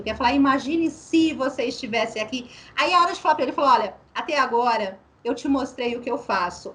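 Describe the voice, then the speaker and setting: A woman's voice: on the high side, fairly bright tone, slight background noise, poor audio. A woman leading a sales training, speaking persuasively and asking the listener rhetorical questions.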